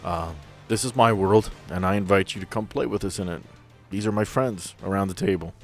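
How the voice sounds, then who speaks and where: A man's voice: low voice, a little fast, faint music behind. A man running a tabletop game as game master, playful and joking with his players.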